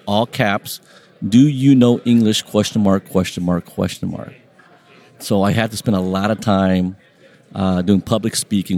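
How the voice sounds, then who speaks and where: A man's voice: on the low side, darkish tone. A man whose first language is Vietnamese, speaking as an interview guest in a reflective, conversational and somewhat hesitant way.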